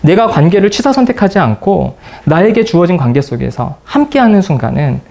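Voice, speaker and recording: A man giving a lively lecture on group counseling, asking the audience questions and acting out quoted dialogue. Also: high voice, fairly quick, vocal fry. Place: lecture room.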